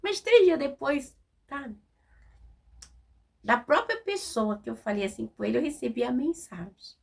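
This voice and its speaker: Raspy Brazilian woman preaching casually. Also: high voice, lively intonation, unhurried, a little mellow. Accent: Brazilian Portuguese. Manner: direct, informal, frequent tag questions. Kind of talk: conversational sermon.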